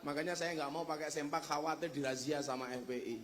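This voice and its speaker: A man's voice: a little high, fairly even intonation, quick pace, slight background noise. A man preaching a humorous sermon, spinning joking stories and slipping into phrases. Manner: joking storyteller who slips into Javanese phrases. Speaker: Islamic preacher. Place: religious gathering before a live audience.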